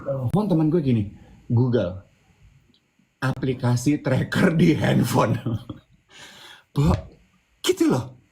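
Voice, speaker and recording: A man co-hosting a casual chat, telling a story with animated delivery, mixing English phrases into his talk and acting out the voices of the people in it. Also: medium pitch, slow pace, creaky, long pauses, slight background noise. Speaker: co-host.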